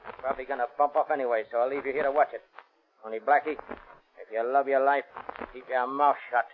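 A man's voice: medium pitch, steady tone, fairly quick, narrow, tinny audio, lightly acted. A man playing a hard, threatening 1930s American gangster boss in a radio crime drama, snarling slangy tough talk. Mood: hard, curt. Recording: thin, hissy old radio recording.

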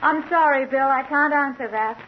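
A woman's voice: sits high, normal speed, a little hiss or hum, close to an everyday voice. A woman playing a mysterious young woman. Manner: soft, evasive. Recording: dull old radio broadcast.

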